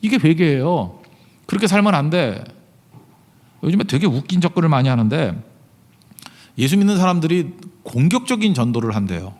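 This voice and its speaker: A middle-aged male pastor preaches in an emphatic, questioning style. His pitch swings widely as he presses each point home. His voice rings with the long reverb of a large church hall. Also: big pitch swings, a little fast, long pauses, a little mellow. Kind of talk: sermon.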